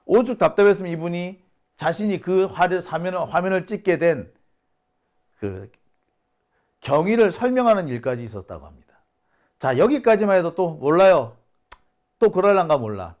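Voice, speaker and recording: Indignant high-voiced man. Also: big pitch swings, moderate pace, pauses often, darkish tone. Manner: indignant, scoffing, exclaims and sighs. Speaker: news commentary host. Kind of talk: solo talk-show commentary.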